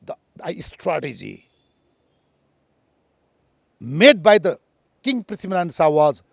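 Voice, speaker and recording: This is a Nepali-accented man with a high, gravelly voice, speaking slowly. He lectures on history in halting non-native English. His delivery is proud and emphatic. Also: very animated, dry recording. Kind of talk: lecture on history, addressed to listeners.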